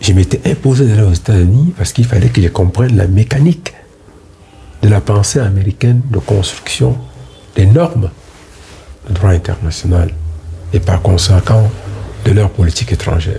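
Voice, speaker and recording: Over noticeable background noise, a man with a Central African accent speaks at a moderate pace and fairly low pitch, his intonation lively and his loudness very even, with long, frequent pauses. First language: Bangu (speaking French). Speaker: law professor. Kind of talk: interview.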